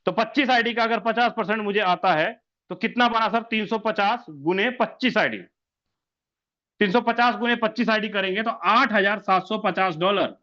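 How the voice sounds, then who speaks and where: Male presenter with a bright, forceful voice, drilling sums and quizzing listeners as sir on a muffled online call. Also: high voice, moderate pace. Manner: repeats figures, fires rhetorical questions, keeps saying sir. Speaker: business presenter. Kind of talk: sales presentation over an online meeting.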